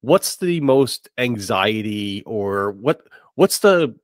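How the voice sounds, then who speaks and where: A man's voice: lowish voice, expressive, dry recording, clean studio sound. A man hosting a casual podcast interview in a chatty, teasing manner, often restarting his phrases. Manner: joking, teasing, halting repeated starts.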